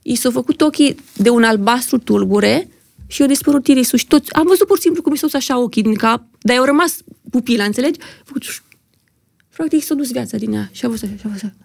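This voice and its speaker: A woman's voice: fairly high pitch, gravelly, darkish tone, no room sound. A young adult woman, a podcast guest, telling a personal story vividly and dramatically, acting out what other people said. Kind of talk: emotional personal storytelling in conversation. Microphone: podcast studio microphone.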